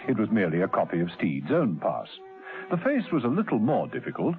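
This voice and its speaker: A man's voice: fairly low pitch, wildly swooping pitch, a little fast. A man giving scripted dramatic narration for a radio serial. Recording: muffled old radio recording, faint music.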